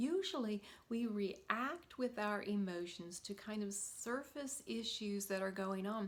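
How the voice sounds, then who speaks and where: At a fairly slow pace, a woman speaks in a normal speaking voice, medium in pitch with ordinary pitch variation. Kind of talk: vlog talk to camera.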